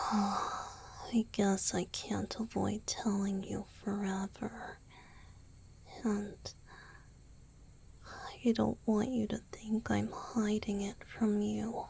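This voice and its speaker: A woman voicing a gentle, youthful male vampire boyfriend in a romantic ASMR roleplay, soft and hesitant. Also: medium pitch, flat delivery, very slow, pauses often, a little hiss or hum, low-quality recording. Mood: wistful, confessional. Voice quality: soft, breathy, husky. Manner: hesitant, tender, sighing delivery.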